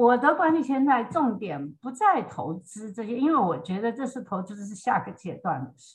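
Speaking at a moderate pace with hardly any pauses, a woman has a fairly high pitch, vocal fry and big swings in loudness. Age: 80s+. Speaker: parenting author, retired executive. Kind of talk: interview podcast. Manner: hesitant, many fillers.

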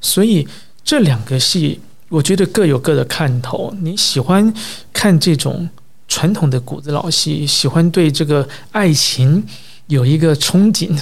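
A man speaks with a Beijing accent at a fairly high pitch. His pitch moves in an ordinary way. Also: fairly slow pace. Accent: Beijing-style Mandarin. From Taiwan, Yilan. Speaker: Peking opera performer. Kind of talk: interview.

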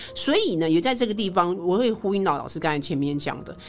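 The speaker goes at a very fast pace, with very wide swings in pitch. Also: woman. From Taiwan. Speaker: translation software founder. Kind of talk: interview. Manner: hesitant, many fillers.

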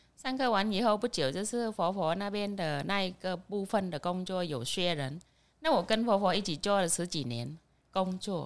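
Here a woman speaks with a Vietnamese accent at medium pitch. Her intonation is lively and her pace moderate. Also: very clean recording, silent background. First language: Vietnamese (speaking Chinese). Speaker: immigrant guest. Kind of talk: casual chat.

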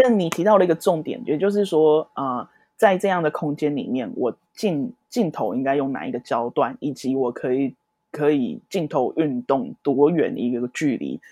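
Moderate pace against a quiet background. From southern Taiwan, Kaohsiung. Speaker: film and TV art director. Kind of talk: interview. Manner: hesitant with many fillers.

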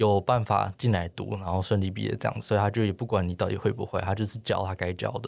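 This man talks at a very fast pace with hardly any pauses, his fairly low voice carrying vocal fry and fairly even intonation. The recording is very clean, with a silent background. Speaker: university student. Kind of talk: casual interview.

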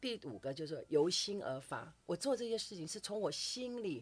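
This woman talks at a moderate pace and a medium pitch, with very wide pitch swings and vocal fry. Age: 60s. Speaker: factory owner and club president. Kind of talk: interview testimony.

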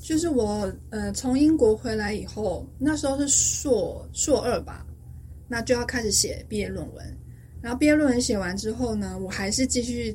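Audible room echo surrounds a woman's voice. She talks at a moderate pace. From Taiwan. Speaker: Mandarin teacher. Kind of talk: interview.

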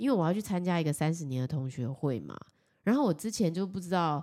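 A woman's fairly low-pitched voice carries a dark, mellow tone on a very clean recording with a silent background. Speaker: podcast host. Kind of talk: casual chat.

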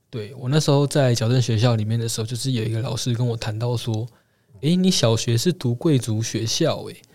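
A man speaks at a medium pitch, with ordinary pitch variation. His voice is somewhat breathy. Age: 20s. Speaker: university student, former juvenile offender. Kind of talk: personal testimony in interview.

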